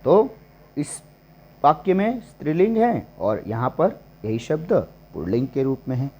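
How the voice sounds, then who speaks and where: A man teaching a grammar lesson, slowly listing example words one at a time. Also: on the high side, big pitch swings, dark tone. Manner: slow and deliberate, listing examples word by word. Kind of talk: classroom-style grammar lesson.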